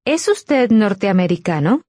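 A woman modeling short phrases in a language course, saying them slowly and distinctly for learners to repeat. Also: mid-range voice, big pitch swings, darkish tone, no room sound, studio quality. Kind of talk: slow, careful phrase repetition.

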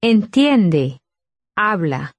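A woman speaking slowly and clearly as the model speaker in a language course, for listeners to repeat. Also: mid-range voice, sing-song, no room sound. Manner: slow, clearly articulated. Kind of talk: slow model pronunciation for repetition.

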